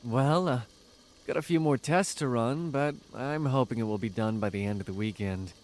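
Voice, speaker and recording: A man's voice: mid-range voice, normal speed, a little mellow, lightly acted. A man playing an affectionate, joking young boyfriend in a naturalistic audio drama. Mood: weary, explaining.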